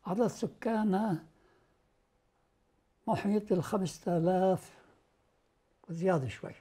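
A man in his nineties from Beisan with a Palestinian Arabic accent, speaking slowly and emphatically as he recounts his past in an indoor interview. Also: sits high, mellow, breathy edge. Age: 90s. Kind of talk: oral history interview. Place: indoor living room.

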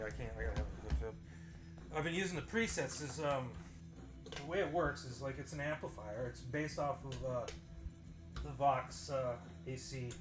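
A man in his forties talking casually to camera as a vlogger, rambling, repeating phrases for emphasis and swearing offhand. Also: medium pitch. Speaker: vlogger and musician. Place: small bedroom home studio, indoors.

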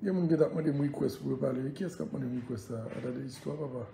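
A man's voice: mid-range voice, racing, gravelly, mellow, echoey room, slight background noise. A man from Haiti with a Haitian accent, chatting loosely on a live stream and repeatedly urging viewers to share it. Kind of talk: casual live-stream chat.

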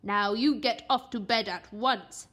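A woman's voice: a little high, unhurried, fairly bright tone. A woman voicing a bossy, strict mother who scolds sternly.

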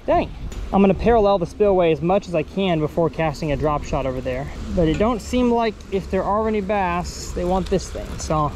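Young guy fishing and chatting away, kinda high voice, outside by a pond. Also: darkish tone. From Texas. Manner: upbeat, chatty, thinking aloud while fishing. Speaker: fishing vlogger. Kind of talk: casual fishing vlog commentary. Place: outdoors by a campus pond. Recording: outdoor recording with faint ambient noise.

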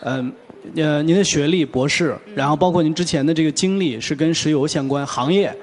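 A fast-talking man questioning a candidate as a panel boss in an interview. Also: on the high side.

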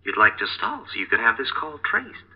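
Raspy, wildly swooping phone killer. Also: male voice, mid-range voice, wildly swooping pitch, normal speed. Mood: smug, taunting. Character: taunting, unhinged male killer on the telephone. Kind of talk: 1950s radio acting. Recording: dull old radio recording, telephone sound.

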